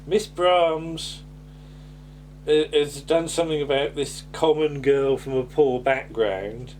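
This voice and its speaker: A man's voice: fairly high pitch, takes it slowly, a little mellow, a little hiss or hum. A man chatting casually as he reviews an episode, hesitant and rambling, often ending on tag questions. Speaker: podcast host.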